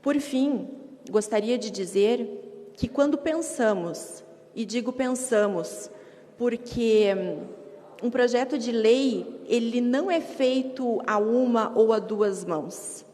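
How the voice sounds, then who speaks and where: A woman addresses a council chamber, her voice ringing with long hall reverb. She speaks in a fairly high register, delivering a formal advocacy speech in short, emphatic phrases with rhetorical repetition. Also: slow pace, mellow.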